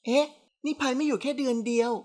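Lady doing a sassy young girl voice, high and teasing, storybook read-aloud. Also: a little fast, close to an everyday voice. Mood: coaxing. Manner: bright, coaxing and sassy. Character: playful cheeky young woman, teasing niece.

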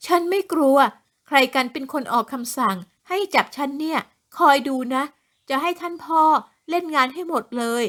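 A woman reading an audiobook puts on a spoiled, arrogant young villainess with a high, piercing voice. She shrieks and protests, loud and indignant. The voice rises far above the reader's usual register. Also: very slow, pauses often, heavily acted. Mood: defiant. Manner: shrill, indignant, yelling. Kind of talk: audiobook character voice.

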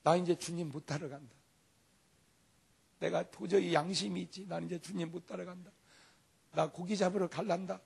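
A male preacher acting out the apostle Peter as a brash, defensive grown man, with loud, rough denials in a sermon retelling. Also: sits high, fairly even intonation, moderate pace, pauses often, heavily acted. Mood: dejected.

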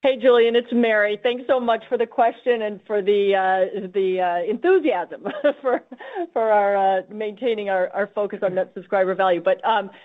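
A woman company executive delivers remarks on an earnings call. Her voice sits at a medium pitch. It comes through a thin, band-limited telephone-style connection. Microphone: conference call line. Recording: tinny, band-limited conference call line.

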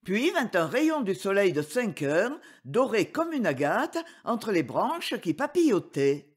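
Woman audiobook reader, gentle storybook narration, unhurried and melodic. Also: medium pitch, sing-song, slightly rough. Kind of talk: storybook reading for children.

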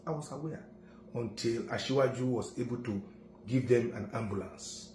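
A man's voice: normal speed, a little hiss or hum. Preachy Nigerian man in an echoey room. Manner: preachy, swings from low solemn murmurs to loud declarations. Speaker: political commentator. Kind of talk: emphatic video commentary. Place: indoor office room.

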